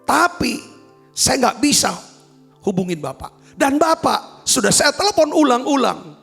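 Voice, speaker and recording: A man's voice: big pitch swings, a little slow, gravelly, a bit bright, husky, soft background music, full character voice. A man voicing an irritated male churchgoer who complains insistently to his pastor. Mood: annoyed. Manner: complaining, insistent, rising pitch.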